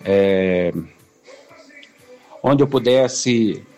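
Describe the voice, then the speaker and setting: Hesitant caller, low-voiced man. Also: very slow, warm tone, faint music behind. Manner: hesitant, searching for words. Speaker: radio caller. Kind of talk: casual phone-in chat.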